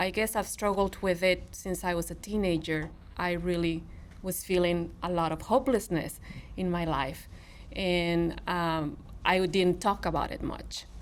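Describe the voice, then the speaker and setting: Her intonation stays fairly even. This woman has a fairly low pitch. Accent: Spanish. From Mexico, Monterrey. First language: Spanish. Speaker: professor. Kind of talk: interview. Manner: halting.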